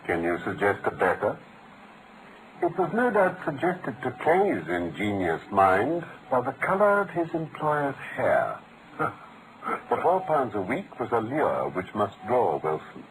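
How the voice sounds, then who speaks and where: An actor playing a brilliant, world-weary British gentleman detective in an articulate, theatrical old-time radio drama style. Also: medium pitch, big pitch swings, measured pace, slight background noise, poor audio. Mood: self-satisfied, explaining. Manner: articulate, theatrical, explanatory delivery.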